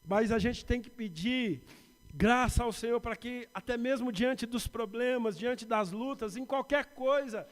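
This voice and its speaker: A man with a São Paulo Brazilian accent preaching a sermon as pastor, building to emphatic points and dropping to quiet asides. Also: very high voice, measured pace. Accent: Brazilian Portuguese, São Paulo. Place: church sanctuary. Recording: reverberant church hall.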